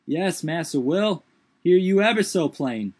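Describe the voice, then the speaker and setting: A man's voice: a little high, expressive, unhurried, breathy edge, pitched above the performer's own voice. A man voicing a fretful old manservant, speaking in a thick old-fashioned dialect in a strained, raised voice. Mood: fearful. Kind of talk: audiobook character voice.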